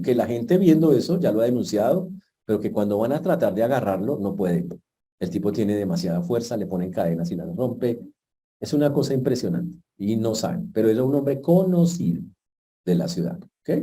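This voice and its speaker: Male pastor, very dark and mellow voice, lively storytelling sermon with asides to the church. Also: mid-range voice. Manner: lively storytelling preaching with jokes and asides to the congregation.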